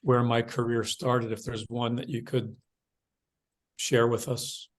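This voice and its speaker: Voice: mid-range voice, little pitch movement, takes it slowly. A host asking probing interview questions over a video call, often rephrasing mid-sentence.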